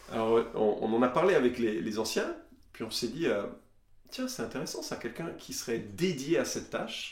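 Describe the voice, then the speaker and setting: The man keeps a moderate pace. His words bounce with audible room echo. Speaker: pastor. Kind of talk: podcast conversation.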